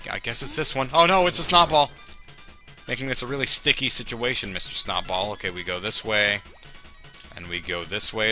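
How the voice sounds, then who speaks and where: A man's voice: fairly low pitch, sharp tone. A man giving humorous commentary on a video game in a wry, sarcastic manner with exaggerated reactions. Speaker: let's play host.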